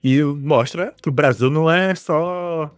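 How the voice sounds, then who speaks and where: A man's voice: on the high side, a little slow, smooth, no echo. Dry, close Northeastern Brazilian man. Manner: relaxed, chatty, swears casually. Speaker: podcast co-host. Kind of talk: casual podcast chat.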